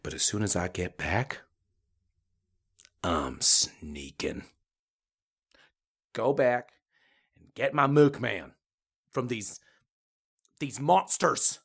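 An actress playing a distraught, feisty small-town cat owner in a podcast drama, talking in an animated, folksy way. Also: female voice, a bass voice, very slow, vocal fry, pauses often, husky, heavily acted. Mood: urgent, defiant.

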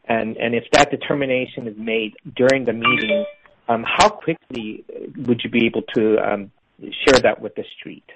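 A man's voice: mid-range voice, moderate pace, dull audio. Male analyst on a noisy call. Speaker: financial analyst asking questions. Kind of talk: earnings call question. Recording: noisy phone-in call with clicks.

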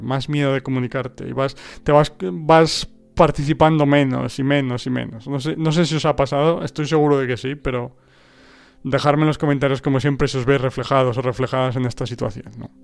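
A native Spanish speaker hosts a language-learning podcast, thinking aloud in a casual monologue. His voice is a little high and gravelly, recorded cleanly. He's thoughtful, restarts often, and keeps checking in with listeners through rhetorical "¿no?" tags.

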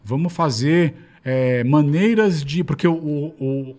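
A man who used to produce a show, hosting a podcast and telling stories in rapid, laughing chat. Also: darkish tone. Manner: rapid, laughing, drops to a low mutter in asides. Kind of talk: casual storytelling chat.

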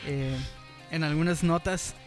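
A young Mexican man with a fairly high voice, co-hosting a casual podcast chat. He bantered with jokes and slang, in a relaxed back-and-forth. Faint music runs underneath. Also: a little slow. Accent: Mexican Spanish. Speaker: podcast co-host.

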